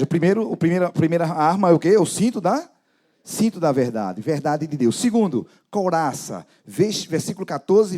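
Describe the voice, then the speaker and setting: A man preaching a sermon as pastor, dramatic, with sudden soft drops in his voice. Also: fairly high pitch.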